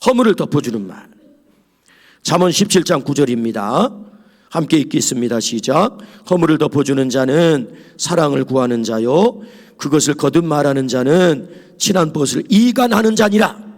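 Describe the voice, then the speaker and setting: A male pastor delivers a sermon with a high, animated voice that swoops up and down. There's a husky edge to his tone, and he drops into whispers for quoted lines. The sound carries a long reverb from the church sanctuary. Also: normal speed.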